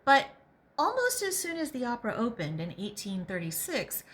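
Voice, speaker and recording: A woman hosting a podcast, reading aloud and adding opinionated, emphatic commentary, sometimes pausing to think out loud. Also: on the high side, huge pitch swings, slight background noise. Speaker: podcast host and reader.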